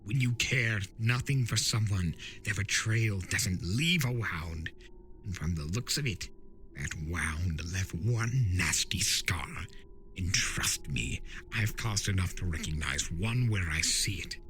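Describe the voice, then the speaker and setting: A man voicing an impassioned, scolding male spirit of chaos with theatrical, drawn-out emphasis in a dramatic story reading. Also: sits low, expressive, a bit bright, soft background music, heavily acted, low-quality recording. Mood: pressing, earnest. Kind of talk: dramatic fan-fiction reading.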